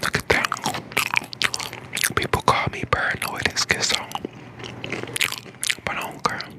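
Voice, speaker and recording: A man in his twenties from St. Louis, hoarse and getting over a lost voice, chatting casually to his live stream in a whisper that cracks in and out. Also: unhurried. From St. Louis, Missouri, USA. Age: 20s. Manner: whispering throughout.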